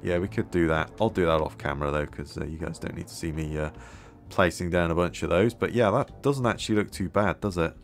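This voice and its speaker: A man musing aloud as he plays a game, his voice a little hoarse, with many fillers. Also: sits low, brisk, few pauses, faint music behind. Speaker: gameplay video host. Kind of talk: casual gameplay commentary.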